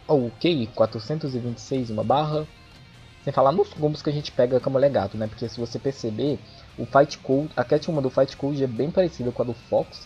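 A man with an excitable, chatty manner who swears often, commentating a fighting-game match for his channel. His voice comes through the dull, lo-fi sound of an old microphone. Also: mid-range voice. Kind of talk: casual esports match commentary. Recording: dull lo-fi microphone, faint music behind.

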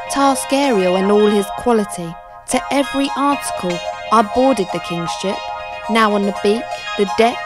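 A woman's voice: medium pitch, close to an everyday voice. A woman playing a nimble, eager magical spirit, declaimed in Shakespearean stage style.

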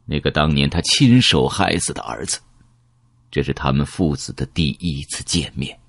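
A man narrating an audiobook in the first person, reflective and measured. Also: a bass voice, creaky, slightly rough, no echo, studio quality.

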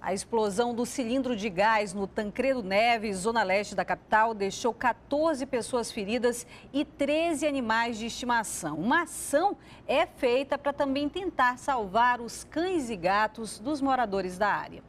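A woman anchoring a TV newscast, reading the news in a measured, formal way. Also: on the high side, a little hiss or hum.

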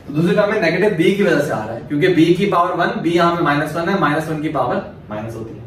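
A man's voice: fairly high pitch, expressive, fast talker, a bit bright. A male maths teacher from Pakistan giving a lecture, explaining step by step and answering his own questions. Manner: asks questions then answers them himself. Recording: very echoey room, mic far off, faint hiss.

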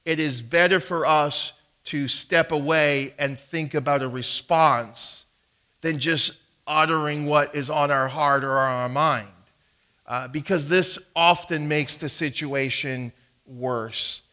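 A man's voice: fairly high pitch, pushed and bright. A man in his thirties preaching a sermon from a church pulpit, reading scripture aloud with earnest emphasis. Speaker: pastor. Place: church sanctuary, indoors. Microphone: pulpit mic, far camera.

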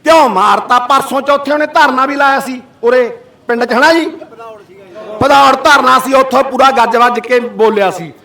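A man's voice: very high voice, moderate pace, vocal fry, pushed and bright. A middle-aged man, an activist giving a fiery speech to a gathered crowd, full of rhetorical questions. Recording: voice picked up from a distance.

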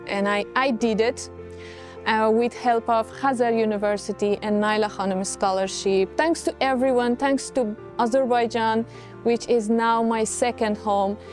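A young woman from Afghanistan, a scholarship recipient, giving an earnest, halting testimonial with many fillers. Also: a little high, a little mellow. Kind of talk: filmed testimonial. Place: studio set with curtain backdrop.

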